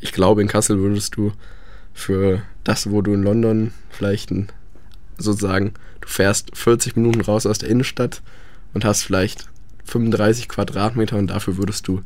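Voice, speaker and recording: A man's voice: fairly low pitch, flat delivery, moderate pace, darkish tone. A young man chatting about life abroad, hesitant with many fillers. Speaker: guest. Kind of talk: casual radio chat.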